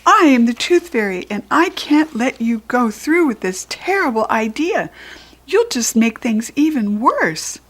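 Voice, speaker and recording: A kind young fairy speaks earnestly and firmly in a bright, raised voice, as a woman reads her part. Her voice is slightly breathy. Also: on the high side, sing-song, a little slow, pitched above the performer's own voice, heavily acted.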